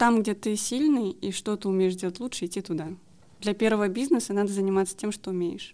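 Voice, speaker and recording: A woman with a dark, mellow tone and ordinary pitch variation is heard on a very clean recording with a silent background. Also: medium pitch for a woman, fairly quick pace. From Kazakhstan, Almaty. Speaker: entrepreneur. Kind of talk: interview.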